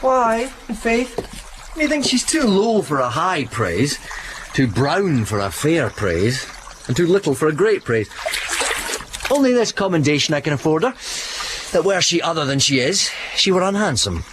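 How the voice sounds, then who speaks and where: A man's voice: on the high side, sing-song, moderate pace, background noise. An actor playing a witty, mocking young soldier who swears he will stay a bachelor, in Shakespearean stage style. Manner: mocking, playful, laughing asides.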